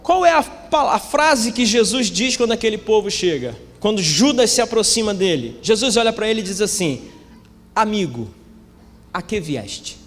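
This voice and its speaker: A man preaching a sermon as pastor, calling the congregation brothers, with wide swings in pitch and loudness. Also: lively intonation, a little fast, few pauses. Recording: echoey hall with faint ambient noise.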